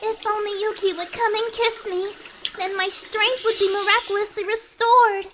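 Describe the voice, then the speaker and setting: A woman's voice: extremely high pitch, steady tone, moderate pace, noisy background. A woman voicing an unhinged, lovestruck teenage girl in an anime parody, brazen and manic. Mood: sweet, unhinged.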